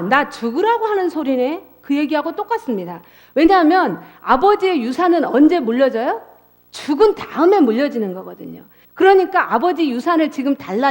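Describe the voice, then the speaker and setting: A middle-aged woman giving a church family seminar, asking the audience questions and acting out the voices of parents and children. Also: sits high. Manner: lively, asks the audience questions and acts out quoted voices. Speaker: seminar speaker. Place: church hall.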